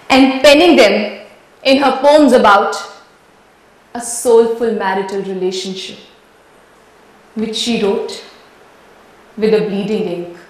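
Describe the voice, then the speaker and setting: Young woman reciting slowly, high voice. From India. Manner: measured, rhythmic recitation with swelling lists. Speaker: spoken-word performer. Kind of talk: dramatic spoken-word monologue. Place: large wooden-walled hall. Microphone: stand mic. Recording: roomy hall.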